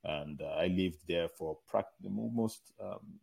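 Speaking slowly in a very deep, gravelly, slightly rough voice, this middle-aged man from Nigeria has a Nigerian accent. In a casual interview chat as the guest, he meanders with fillers and restarts, livening up whenever he tells a story.

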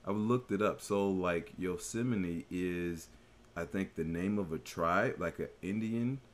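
A man's voice: sits low, unhurried, slight background noise. A man co-hosting a podcast, talking casually and hesitantly with many fillers and restarts. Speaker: podcast co-host. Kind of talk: casual chat.

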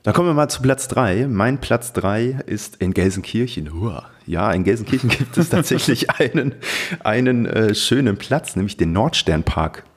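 A fairly low-voiced man talks as a podcast co-host. His delivery is informal and colloquial, like relaxed conversation between two hosts. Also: moderate pace, husky. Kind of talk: casual podcast chat.

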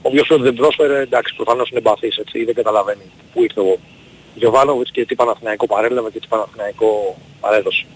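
A man in his forties calling a radio show, giving a measured, reasoned opinion with hesitant fillers. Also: medium pitch, steady tone, breathy edge, poor audio. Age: 40s. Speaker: caller. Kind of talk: call-in opinion.

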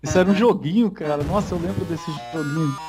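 A man's voice: on the high side, quick pace, music in the background. A young Brazilian man chatting casually as co-host of a podcast, laid-back and slangy, laughing often.

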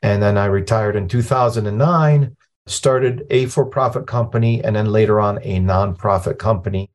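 A man's voice: lowish voice, normal speed, darkish tone. A man in his fifties from Lebanon, a nonprofit president telling his story as a podcast guest in a plain, matter-of-fact way. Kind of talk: conversational storytelling interview.

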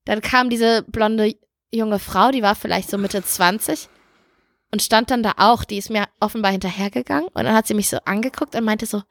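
A woman's voice: mid-range voice, moderate pace, no echo, studio quality. A woman co-hosting a podcast, telling a funny anecdote in casual chat, giggly and self-mocking. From Turkish heritage. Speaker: podcast co-host.

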